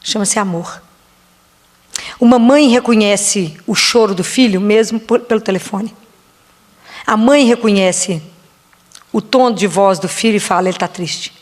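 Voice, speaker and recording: A woman giving a slow, reflective devotional sermon, often asking rhetorical questions. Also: mid-range voice, darkish tone. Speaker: preacher. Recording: long hall reverb.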